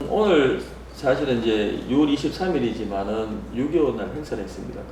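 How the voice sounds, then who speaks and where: Over noticeable background noise, a man talks at a moderate pace and medium pitch. His intonation is lively. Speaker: city mayor. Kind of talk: interview talk.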